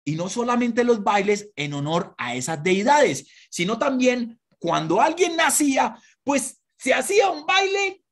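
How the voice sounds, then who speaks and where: Husky, animated woman teaching kids. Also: on the high side. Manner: animated, asks children questions and has them repeat words. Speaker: children's history presenter. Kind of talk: lively lesson for children.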